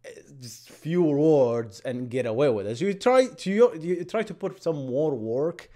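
A man's voice: on the high side, a little slow. Arabic-accented man chatting to camera. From Bahrain. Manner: animated hand gestures, frequent restarts and filler "right?". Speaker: tech YouTuber. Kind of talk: casual talk to camera. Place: home room with bookshelves, indoors. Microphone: desk mic in front of camera.

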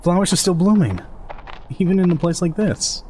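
A man's voice: high voice, expressive, moderate pace, dark tone, a little hiss or hum. A man playing a chatty, joking, easygoing male soldier in a fan dub of a game scene. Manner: chatty, joking, laughs easily. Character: easygoing, rambling older male soldier, goofy.

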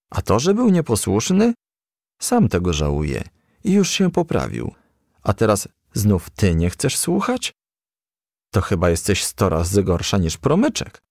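A man voicing a stern, fatherly male firefly who admonishes in measured storybook dialogue. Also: low-pitched, vocal fry, darkish tone, no room sound, clean studio sound, heavily acted.

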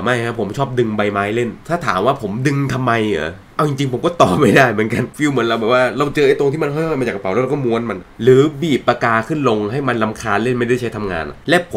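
Fast-talking young man telling a comic story. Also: medium pitch, a little hiss or hum. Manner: crude, joking, rambling with quick restarts. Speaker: comedic storyteller, channel host. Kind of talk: comedic storytelling monologue.

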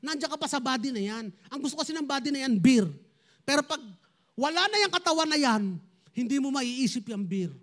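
A man's voice: very high-pitched, lively intonation, brisk, fairly bright tone. A man, preaching a sermon as pastor and speaking directly to his congregation. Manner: switches between Tagalog and English, addresses congregation directly.

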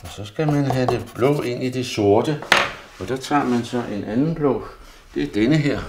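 Working on a pastel drawing, a male artist talks his way through the demonstration at a medium pitch, wandering from thought to thought and often murmuring under his breath almost to a mutter. The clip has heavy background noise.

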